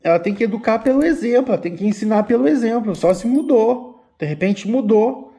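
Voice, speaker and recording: A man, an umbanda teacher giving a slow, repetitive religious talk to his viewers. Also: high-pitched, animated, vocal fry, dark tone. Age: 50s. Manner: slow, repetitive, addressing listeners as "gente". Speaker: umbanda spiritual teacher and channel host.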